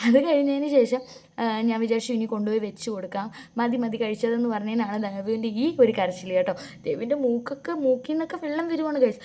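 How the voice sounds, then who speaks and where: Woman vlogger, Keralite accent, quick rambling chatty voice-over, slightly high and mellow. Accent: Keralite Malayalam. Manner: chatty, rambling, frequent asides to viewers. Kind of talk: voice-over narration of a family vlog. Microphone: close voice-over mic.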